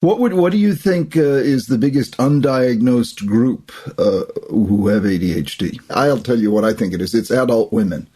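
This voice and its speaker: A man's voice: medium pitch, expressive, normal speed, few pauses, mellow, breathy edge. An older man hosting a podcast interview, introducing his guest with effusive enthusiasm and asking questions. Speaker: podcast host.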